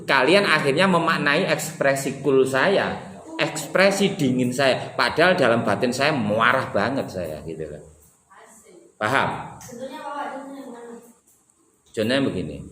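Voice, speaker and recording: A man's voice: high voice, sharp tone, echoey room, a little hiss or hum. A man with an East Javanese accent teaching a class, acting out quoted lines with shifting tone. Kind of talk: classroom lecture.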